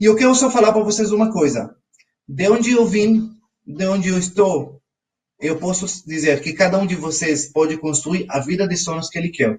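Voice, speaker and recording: A man with an Israeli accent, high-pitched, at a moderate pace and with lively intonation. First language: Hebrew (speaking Portuguese). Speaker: financial educator. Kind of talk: online lecture.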